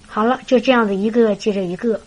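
A woman preaching through a lively story, chatty and full of fillers. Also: on the high side, quick pace, rough recording. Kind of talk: storytelling sermon.

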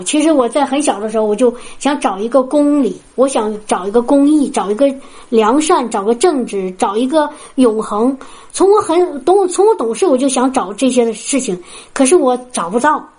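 A woman from China preaches and tells her own testimony. Her voice sits high and bright in pitch. She talks earnestly and keeps turning to her listeners with questions. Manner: earnest, storytelling, addresses listeners directly. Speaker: preacher at a healing prayer meeting. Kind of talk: sermon with personal testimony.

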